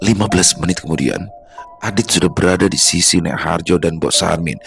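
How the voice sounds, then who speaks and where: A man narrating a horror story in a slow, hushed storytelling manner. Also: sits low, creaky. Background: faint background music.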